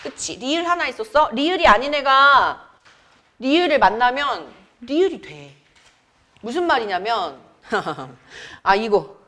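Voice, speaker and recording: A young woman teaching a grammar lesson to students in a chatty way, quizzing them with quick questions. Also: on the high side, big pitch swings, sharp tone. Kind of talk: classroom lecture.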